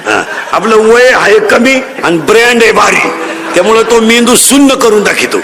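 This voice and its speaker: A middle-aged man preaching a devotional sermon with humor, emphatic and often shouting out his points. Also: high-pitched, expressive, moderate pace. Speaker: kirtan preacher.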